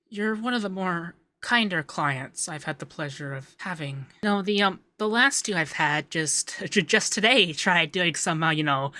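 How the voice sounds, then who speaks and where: Bright, flustered young femboy tax man, acted by a man. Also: sits high, heavily acted. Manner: stammering, shy, teasing. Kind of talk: ASMR roleplay, acted straight to the listener.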